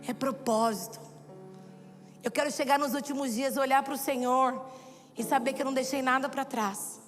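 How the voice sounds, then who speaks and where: A woman's voice: high voice, fairly even intonation, normal speed. A woman preacher giving a sermon, telling stories and acting out the dialogue with animation. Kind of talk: sermon with storytelling. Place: church hall. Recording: long hall reverb with soft background music.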